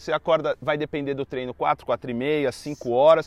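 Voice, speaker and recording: A man speaks in an animated tone, with a dry, close sound and no echo. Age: 40s. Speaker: interviewer. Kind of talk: casual chat. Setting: outdoors.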